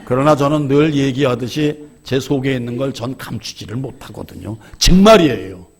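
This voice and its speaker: A man preaching a sermon as pastor. He tells candid stories about himself and swings between hushed asides and shouted emphasis. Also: medium pitch, fairly even intonation, brisk, vocal fry. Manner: candid, self-deprecating storytelling. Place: church.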